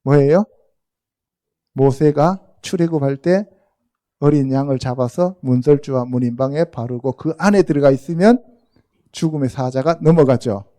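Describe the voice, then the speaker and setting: A man's voice: medium pitch, dark tone. A man preaching a Sunday sermon as pastor, often asking the congregation rhetorical questions and calling on them directly. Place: church sanctuary.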